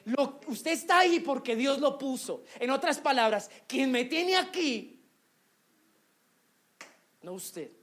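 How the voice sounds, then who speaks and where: A woman pastor preaching a sermon, moving from loud, emphatic lines to hushed, nearly whispered ones. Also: sits high, expressive, measured pace. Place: church.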